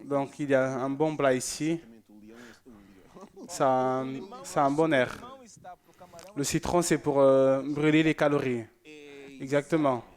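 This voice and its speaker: A man's voice: medium pitch, fairly even intonation, slow pace, long pauses, a little mellow. A man presenting a church show, chatting casually and joking as he reads out viewer messages.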